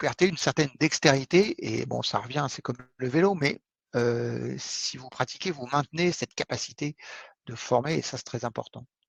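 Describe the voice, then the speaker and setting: A medium-pitched man at a moderate pace, with vocal fry, ordinary pitch variation, big swings in loudness and a dry, close sound with no echo. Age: 60s. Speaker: training expert and consultant. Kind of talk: webinar presentation. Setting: online webinar. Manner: halting, many hesitations.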